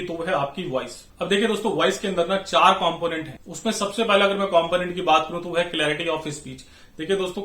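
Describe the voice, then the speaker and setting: A man in his thirties explains sales skills to viewers in a friendly, chatty way, leaning on "you know" between phrases. His voice sits fairly high and he talks quickly. The room around him gives a noticeable echo. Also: fairly bright tone. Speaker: pharma sales trainer. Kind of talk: instructional talk to camera.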